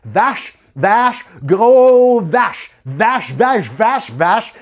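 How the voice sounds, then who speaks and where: A man voicing a rude man in his seventies who speaks French with an English accent, shouting the same insult over and over. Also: high voice, very animated, very slow, heavily acted.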